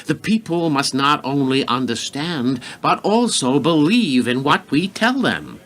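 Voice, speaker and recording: An actor playing a hawkish, calculating senior White House aide in a radio play, speaking with deliberate authority. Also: male voice, on the high side, big pitch swings, a bit bright. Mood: grim, resolute.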